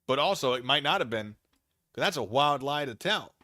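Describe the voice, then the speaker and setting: An American man streaming a dramatic reading of a document, breaking off into wry, excitable, casual asides as he goes. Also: mid-range voice, normal speed, no room sound, clean studio sound. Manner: animated, wry, digressive, easily excited.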